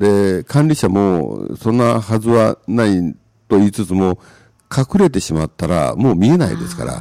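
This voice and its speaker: On a very clean recording with a silent background, a man speaks at a moderate pace in a fairly low, dark, mellow voice with very wide pitch swings and a dry, close sound with no echo. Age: 60s. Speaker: housing company president. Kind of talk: radio interview.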